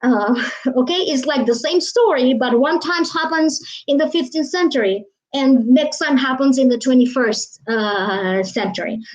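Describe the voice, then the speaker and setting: A woman's voice: sits high, moderate pace. A woman from Albania, talking casually on a live stream as a psychic reader, rambling with many fillers and trailing phrases. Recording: dull lo-fi live stream audio.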